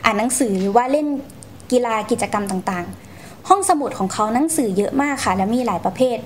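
A woman's voice: fairly high pitch, expressive, a little fast, slight background noise. A young woman, answering interview questions in a polite, explanatory manner as she recounts her experiences. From Thailand. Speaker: guest storyteller.

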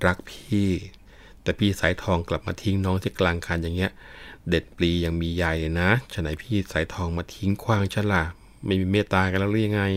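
A man's voice: low voice, no echo, lightly acted. Man voicing a lovesick young novice monk. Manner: earnest, imploring.

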